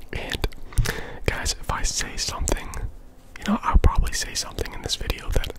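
A man whispers, soft-spoken, at a moderate pace over loud background noise. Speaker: vlogger. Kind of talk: casual vlog chat. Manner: soft close-mic whisper. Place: home room. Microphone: studio mic.

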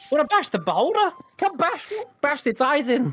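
A high-pitched, put-on character voice swings very widely in pitch over faint background music. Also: moderate pace. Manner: inviting, playful.

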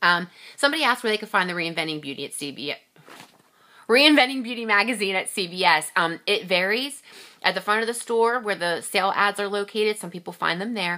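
With a bright, sharp tone and an American accent, a woman speaks at medium pitch and a fairly quick pace, her intonation lively against a quiet background. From Pennsylvania. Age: 30s. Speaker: couponing YouTuber. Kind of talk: casual Q&A vlog. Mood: friendly, animated. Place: home room. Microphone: phone near.

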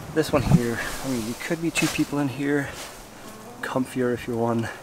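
A man at a moderate pace with ordinary pitch variation, dry sound with no echo, and loud background noise. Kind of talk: product review vlog. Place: tent. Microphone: phone near.

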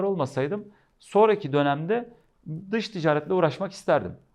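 A man speaks in a high pitch. The pitch moves in an ordinary way. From Turkey, Çatalca (Istanbul). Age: 40s. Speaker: local politician. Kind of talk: interview. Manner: hesitant, many fillers.

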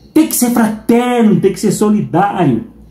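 There is audible room echo. The speaker is a man. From Brazil. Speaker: pastor and online commentator; pastor, online commentator. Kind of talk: pastoral counseling talk to camera. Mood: earnest, grave. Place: home room.

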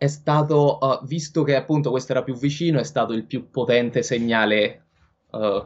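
Over a quiet background, a man speaks at a moderate pace in a medium pitch, with vocal fry and ordinary pitch variation. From central Italy, Umbria (Nocera Umbra); Umbria, Italy. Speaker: astrophysicist; interviewee. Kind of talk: interview. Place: home room.

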